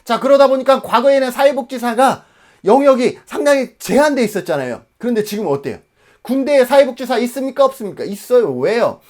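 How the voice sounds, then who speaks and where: A man's voice: extremely high pitch, big pitch swings, brisk. A man in his forties from Jeju Island, South Korea, giving an exam-prep lecture emphatically, asking questions and answering them himself.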